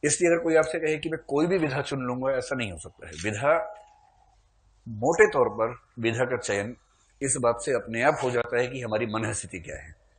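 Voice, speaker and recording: A man's voice: mid-range voice, lively intonation, moderate pace. A man teaching a classroom lecture in a conversational way, mixing humorous asides with explanation and checking in with his students.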